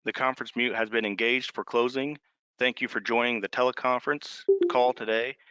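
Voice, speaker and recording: An American man reading a formal scripted public briefing on a conference call, measured and carefully enunciating numbers item by item. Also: medium pitch, flat delivery, bright, forceful tone, clean tone, no room sound, dull audio.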